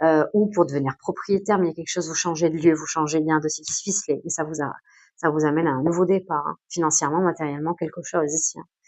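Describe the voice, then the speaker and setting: Talking very fast, the woman keeps her voice at a fairly low pitch. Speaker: tarot card reader. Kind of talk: tarot reading. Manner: animated.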